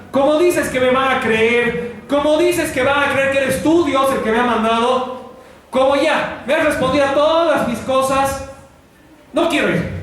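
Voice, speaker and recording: Reluctant, self-doubting prophet played by a male preacher, high pleading voice, echoey hall from afar. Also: fairly bright tone, recorded from a distance, slight background noise. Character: reluctant adult male prophet making excuses.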